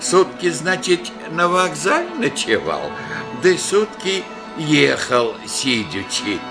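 A man's voice: on the high side, huge pitch swings, music in the background, heavily acted. An actor playing a humble, devout old village father in a radio drama, speaking hesitantly with folksy speech. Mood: humble, meandering. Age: older. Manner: hesitant, folksy rustic speech with halting fillers. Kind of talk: naturalistic stage-style radio drama acting.

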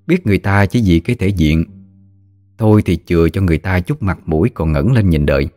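A man with a very deep voice tells a ghost story steadily and somberly, speaking a little fast. Soft music plays faintly beneath him.

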